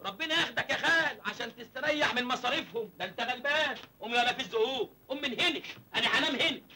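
A cheeky, hungry Egyptian country lad. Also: male voice, extremely high pitch, lively intonation, sharp tone, a little hiss or hum, exaggerated voice. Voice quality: cheeky, quick-witted banter. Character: naive rural young man, cheeky, always hungry. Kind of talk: 1980s Egyptian film comedy.

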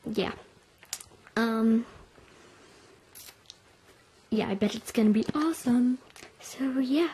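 A woman's voice: fairly high pitch, takes it slowly, long pauses, dark tone, slight background noise. A young girl giving a casual, apologetic intro to her voice audition, hesitating with lots of fillers, recorded on a computer sound recorder. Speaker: voice-over auditioner.

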